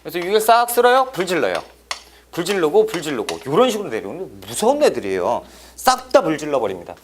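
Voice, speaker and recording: A male exam-prep history lecturer who tells the material like a story, with playful jokes and sound effects. His voice sits high and moves animatedly between pitches. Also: huge pitch swings, fast talker, slight background noise. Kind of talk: lively lecture with acted-out scenes.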